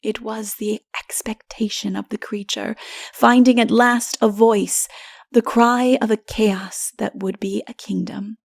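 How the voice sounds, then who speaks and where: A woman narrating literary fantasy as a dramatic audiobook, expressive and theatrical, sometimes dropping to hushed phrases. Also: mid-range voice, measured pace, vocal fry, dry recording, clean studio sound.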